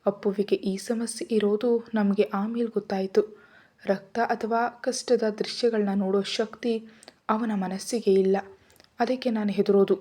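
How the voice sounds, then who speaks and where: A woman's voice: mid-range voice, fairly even intonation, measured pace, dark tone, husky. A woman voicing a caring, anxious young mother in a read-aloud story. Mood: worried. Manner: tender, pleading.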